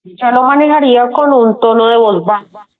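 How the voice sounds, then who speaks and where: A woman student giving thoughtful, measured answers to her teacher's questions. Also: on the high side. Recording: tinny phone-like line.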